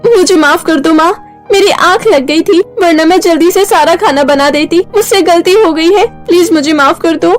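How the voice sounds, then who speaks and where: A woman voicing Pooja, a kind and meek young stepdaughter in a cartoon story, who talks gently and pleads. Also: extremely high pitch, normal speed, soft background music, pitched above the performer's own voice. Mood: pleading.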